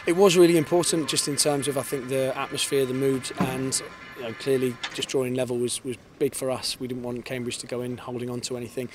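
A man in his thirties, a football head coach, giving an earnest post-match interview outdoors on a floodlit pitch into a handheld mic, often repeating words as he starts a sentence. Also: little pitch movement, fast talker, few pauses, over music. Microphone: handheld reporter's mic held in front. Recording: outdoor stadium noise behind.

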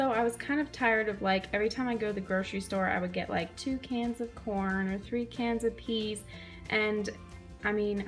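A woman's voice: mid-range voice, a bit bright. A young woman chatting casually in her kitchen as a vlogger, upbeat and listing what she bought. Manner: chatty, upbeat, lists items with prices. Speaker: vlogger showing a grocery haul. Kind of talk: casual chat. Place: home kitchen.

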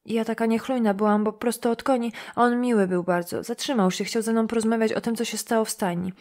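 A woman's voice: fairly high pitch, fast, pitched above the performer's own voice, close to an everyday voice. Woman doing a chatty self-doubting teen girl. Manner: lively, chattering, self-deprecating. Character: shy self-doubting teenage village girl.

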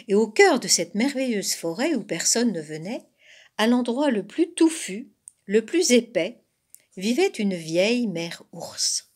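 A woman volunteer reading a children's tale aloud in a slow, expressive storytelling manner. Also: medium pitch.

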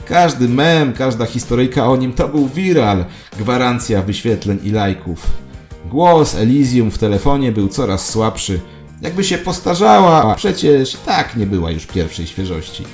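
A man's voice: mid-range voice, lively intonation, normal speed, a little mellow, pitched above the performer's own voice, close to an everyday voice. A man playing a paranoid, self-important conspiracy believer, telling his saga in a dramatic, confiding way as satirical audio drama narration. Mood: excited, smug. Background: music.

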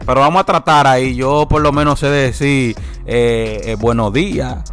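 A man's voice: mid-range voice, steady tone, normal speed, a bit bright, soft background music. A Dominican man hosting a casual barbershop podcast, teasing and joking with his guests. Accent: Dominican Spanish. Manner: joking, teasing, laughs often.

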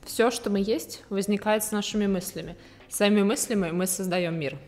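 A woman's voice: medium pitch, normal speed, darkish tone, big-room sound. A woman in her twenties giving a casual, conversational explainer to camera, informally mixing English terms into her speech as a bilingual speaker. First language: Russian with English as a second native language. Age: 20s. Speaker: video blogger. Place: large open-plan living room indoors. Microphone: desktop condenser microphone.

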